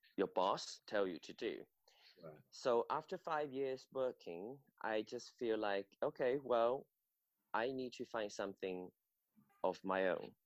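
A man with a Chinese accent, speaking at a fairly slow pace, in a dry, close sound with no echo. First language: Mandarin Chinese. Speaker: drama and improv teacher. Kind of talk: casual interview. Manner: halting, many fillers.

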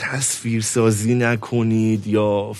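Noticeable background noise under a man's medium-pitched speech with fairly even intonation. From Iran, Shahr-e Rey (south Tehran). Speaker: rapper. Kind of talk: casual chat.

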